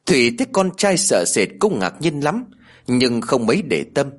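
A male storyteller reading a village ghost tale aloud, his husky voice rising and falling with lively inflection. He narrates in an expressive, measured way. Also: mid-range voice.

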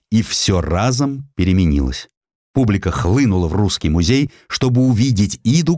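A man reading a historical essay as a dramatic audiobook narrator, with expressive, measured literary phrasing into a close studio mic. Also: sits low, no echo. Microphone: close studio microphone.

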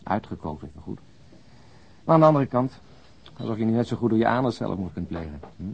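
A man's voice: lowish voice, lively intonation, fast talker, vocal fry, highs cut off, slight background noise. An actor in a radio drama playing an overweight, jovial, world-weary policeman who talks bluntly and chattily with mild swearing. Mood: frank, probing. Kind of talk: naturalistic Dutch radio drama acting.

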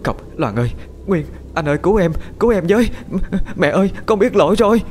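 A man's voice: sing-song, fast, a little mellow, a little hiss or hum. A man voicing a terrified middle-aged woman who cries out shrilly for help in a horror audiobook. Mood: panicked pleading. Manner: shrill, panicked crying out.

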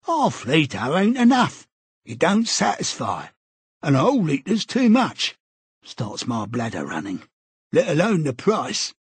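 A man voicing a stubborn, grumbling old man in an audiobook, with a husky, cantankerous, slangy delivery. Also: a little high, wildly swooping pitch, no room sound, voice pushed up, heavily acted. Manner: cantankerous, slangy, drawn-out complaining. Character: grumbling old male London prole, stubborn. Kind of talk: audiobook character voice.

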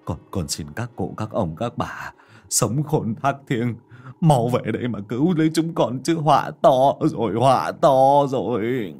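A man's voice: mid-range voice, animated, unhurried, a little mellow, breathy edge, faint music behind. A man doing a stammering terrified husband. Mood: praying. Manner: stammering, wailing. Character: terrified older village husband, pleading.

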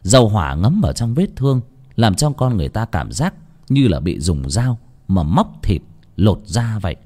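A man narrates a grim folk tale in a grave, emphatic storytelling voice. His voice sits low but rises and falls expressively to dramatize each scene. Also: sing-song, normal speed, warm tone.

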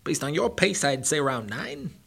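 A man voicing a boastful, fast male hare who mocks his neighbor. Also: a little high, very animated, gravelly, fairly bright tone, breathy edge, pitched above the performer's own voice, heavily acted. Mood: mocking. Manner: mocking, brash.

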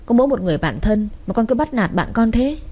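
A bossy middle-aged mother who snaps orders at her daughter, brusque and mellow-toned, as a woman narrator plays her. Her scolding is short and sharp in wording. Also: a little high, big pitch swings, fast talker, voice pushed up.

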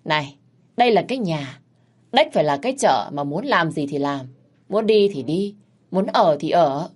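A woman's voice: lowish voice, normal speed, close to an everyday voice. A woman playing a sneering, defiant young daughter-in-law. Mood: scornful.

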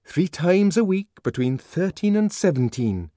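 A man's voice: very animated, unhurried, dark tone, no echo, clean studio sound. A man voicing a hysterical young man who begs and sobs in frantic panic. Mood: eager. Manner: shrill, sobbing, frantic begging.

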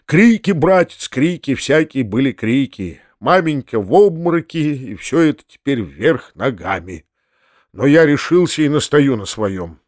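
A man voicing an excitable middle-aged landowner uncle, a former cavalry officer, who swings from heartfelt pleading to shouted orders. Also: medium pitch, measured pace, no room sound, studio quality. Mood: agitated. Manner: emotional, bursts into furious shouted orders.

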